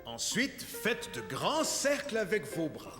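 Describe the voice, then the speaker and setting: In a long, echoing hall, a friendly cartoon gym teacher with a high male voice. He is animated and encouraging as he gives step-by-step instructions, with faint music behind. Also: slow, heavily acted. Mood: instructive. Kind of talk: children's cartoon dubbing.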